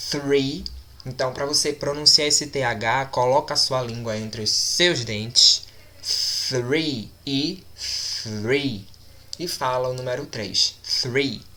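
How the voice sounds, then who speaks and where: A man teaching English numbers, speaking deliberately and repeating each word several times for his students. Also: mid-range voice, sharp tone. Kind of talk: recorded language lesson.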